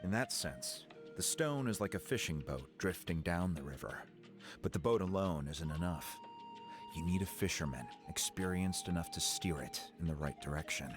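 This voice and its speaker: An actor playing a calm, helpful tribal mentor in a video game, explaining things in a measured, encouraging way. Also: male voice, low voice. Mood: calm, explanatory. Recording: game music clearly behind.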